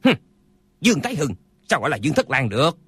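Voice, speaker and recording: A man's voice: on the high side, huge pitch swings, brisk, fairly bright tone, husky, no echo, heavily acted. A man voicing an irritable, hot-tempered old martial-arts eccentric who snaps at his brothers. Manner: irritable, snapping.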